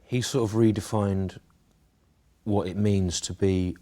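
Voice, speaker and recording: Deadpan low-voiced Englishman. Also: slow pace. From English Midlands. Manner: dry, hesitant, mock-earnest. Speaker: comedian being interviewed. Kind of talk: deadpan comic interview.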